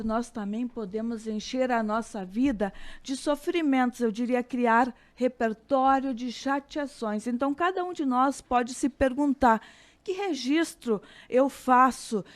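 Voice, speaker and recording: A woman with a Brazilian accent giving a calm, reflective scripted radio commentary, slowing down on key phrases. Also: high-pitched. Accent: Brazilian Portuguese.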